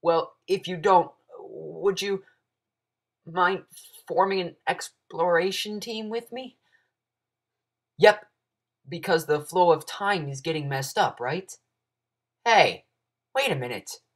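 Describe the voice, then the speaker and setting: A man's voice: high-pitched, slow, long pauses, fairly bright tone, exaggerated voice. A man voicing a timid young adventurer with a hesitant, questioning manner. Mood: unsure, nervous. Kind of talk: character voice audition.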